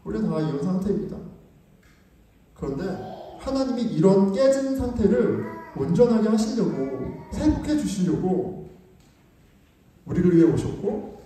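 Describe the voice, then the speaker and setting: A man's voice: high voice, very animated, a little slow, pauses often, dark tone. A male pastor preaching a sermon in a church sanctuary, talking conversationally and asking the congregation rhetorical questions. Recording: echoey church hall, distant mic.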